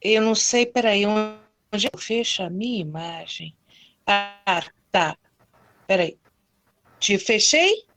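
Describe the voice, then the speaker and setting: A woman's voice: medium pitch, lively intonation, takes it slowly, long pauses, a bit bright, faint music behind. Woman on a choppy, breaking-up video call. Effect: choppy, stuttering video-call audio that keeps breaking up. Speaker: study group participant.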